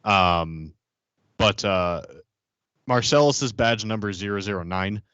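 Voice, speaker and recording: A man's voice: lowish voice, slow pace, fairly bright tone, clean tone, no echo. A man chatting and explaining things casually on a tabletop game podcast. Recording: slightly dull, dry close sound.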